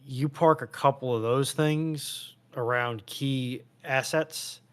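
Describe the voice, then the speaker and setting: A man talks as a guest in a casual discussion. His voice sits at an average pitch for a man, and his delivery is conversational. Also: steady tone, takes it slowly, smooth.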